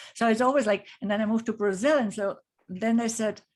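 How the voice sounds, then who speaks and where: On a very clean recording with a silent background, a woman with a German accent speaks at a fairly high pitch. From Germany. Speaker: interview guest. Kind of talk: interview.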